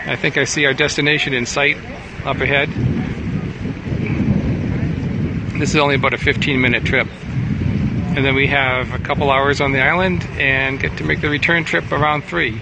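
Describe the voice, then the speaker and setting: Loud background noise surrounds a man who leaves long, frequent pauses, with a dry sound that has no echo. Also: moderate pace. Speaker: livestreamer on a boat tour. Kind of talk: casual live-stream narration. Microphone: phone near.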